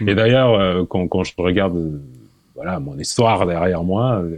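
Very deep and low, a man's voice with ordinary pitch variation comes through over a quiet background. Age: 40s. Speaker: agency founder, former director and actor. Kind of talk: casual interview.

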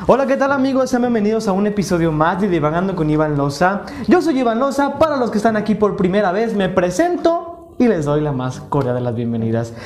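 High-pitched male speech with very wide pitch swings, noticeable background noise and audible room echo. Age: 20s. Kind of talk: casual chat.

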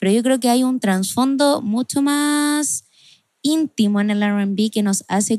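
Against a quiet background, a woman speaks very slowly in a dark, mellow tone with very wide pitch swings, the sound dry and close with no echo. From Chile, Pichilemu. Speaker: singer. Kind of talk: panel discussion.

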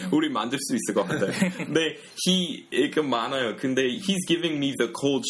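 Noticeable background noise runs under this recording. A man with an English accent speaks at a fairly slow pace. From US. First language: English (speaking Korean). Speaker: podcast host. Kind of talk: casual chat.

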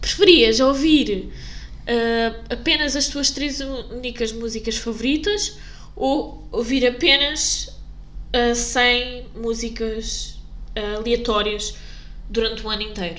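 A woman's high-pitched voice at a very slow pace, with long, frequent pauses and noticeable background noise. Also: ordinary pitch variation. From Portugal, Cascais. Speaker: podcast co-host. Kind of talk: casual chat. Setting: rented apartment in Porto.

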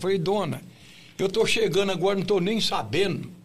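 A man's voice at a moderate pace. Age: 70s. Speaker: rodeio announcer and storyteller. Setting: studio.

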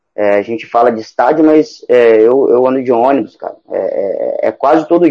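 Here a man talks at a moderate pace. He hardly pauses at all. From Espírito Santo, Brazil. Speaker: football fan. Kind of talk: casual chat.

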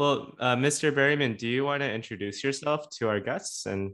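A man has a plain, everyday voice with ordinary pitch variation. He speaks at a moderate pace against a quiet background. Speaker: podcast host. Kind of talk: casual chat.

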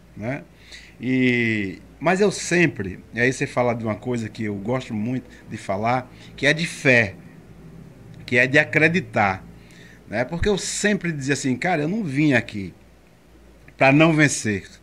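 A man with a Pernambuco accent, medium pitch and a bright, sharp tone, lively intonation, a fairly slow pace and long, frequent pauses. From Brazil, Pernambuco sertão (Arcoverde). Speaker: writer, poet and theatre artist. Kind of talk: interview, life story.

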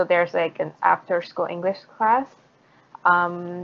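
At a fairly slow pace, a woman with a Vietnamese accent speaks with a fairly low pitch and fairly even intonation. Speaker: podcast co-host, student. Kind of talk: casual chat.

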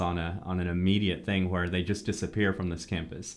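The speech comes at a fairly quick pace in a monotone, flat intonation. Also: man. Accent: Texan. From Texas, Houston area (League City). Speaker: high school principal. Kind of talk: interview.

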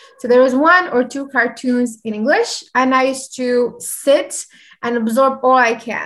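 A woman speaks with an Algerian accent in a high voice. Her pace is fairly slow. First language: Algerian Arabic. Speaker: English teacher and content creator. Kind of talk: interview.

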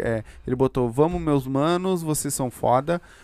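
His pitch is medium and his pace moderate. This man has a plain, everyday voice with fairly even intonation. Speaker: podcast host. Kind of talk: casual chat, live show with ad reads. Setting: studio, live stream.

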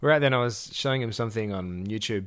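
An Australian accent with ordinary pitch variation, in a very clean recording with a silent background. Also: man. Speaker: band member. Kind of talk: casual chat.

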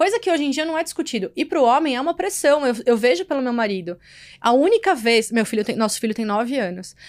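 A woman speaks at a very fast pace in a high pitch. Her voice makes very wide pitch swings. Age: 30s. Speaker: women's organization founder. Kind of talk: interview conversation.

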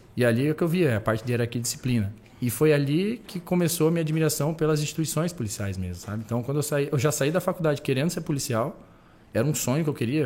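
This is a man with an ordinary speaking voice. He talks at a fairly quick pace with lively intonation. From Rondônia, Brazil. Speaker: sports doctor. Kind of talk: casual podcast conversation.

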